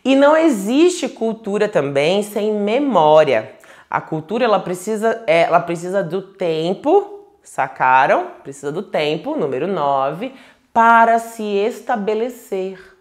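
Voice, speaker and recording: A man's voice: high voice, sing-song, a little slow. A man from Manaus with a Manaus Portuguese accent teaches tarot in a loose, conversational way from home. He wanders between examples, restarts his sentences and keeps checking in with his listeners. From Manaus, Brazil. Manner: chatty and digressive, with frequent restarts and tag questions. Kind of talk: casual online lecture. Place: home, indoors.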